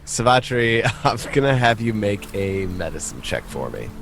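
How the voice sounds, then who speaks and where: A man running a tabletop game as game master, narrating casually with halting, joking delivery. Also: fairly low pitch, sing-song, creaky, fairly bright tone, a little hiss or hum.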